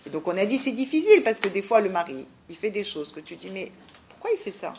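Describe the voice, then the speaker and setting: A woman's voice: mid-range voice, big pitch swings, quick pace, darkish tone, slight background noise. A woman giving an informal Jewish religious lesson to women, didactic, mixing Hebrew terms into her French and often checking that listeners follow. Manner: didactic, frequent check-in questions. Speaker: religious teacher.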